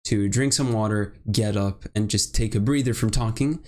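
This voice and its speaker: A man's voice: fairly low pitch, moderate pace, a little mellow. A young man from Brazil with a mixed British and American accent, hosting an interview show in a chatty, rambling way. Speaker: host. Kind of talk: casual interview chat.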